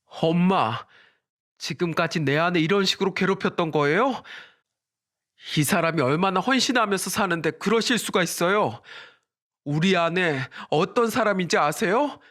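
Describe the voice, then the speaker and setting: A man's voice: high voice, normal speed. A man voicing an angry husband and eldest son who confronts his mother in a storybook drama. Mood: furious. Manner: shouting, indignant.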